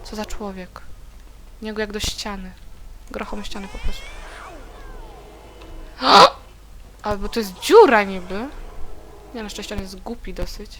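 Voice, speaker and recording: A woman chatting casually and giggling as she plays through a video game, now and then letting out shrill shrieks. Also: sing-song, measured pace, pauses often, a bit bright, rough recording. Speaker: let's play gamer. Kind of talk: casual gameplay commentary.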